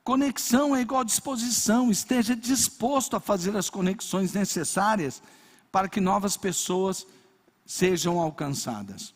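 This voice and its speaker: An older man with a Brazilian accent preaching a sermon, telling personal stories in a lively way and acting out little scenes. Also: high-pitched, moderate pace, long reverb tail. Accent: Brazilian Portuguese. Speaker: pastor.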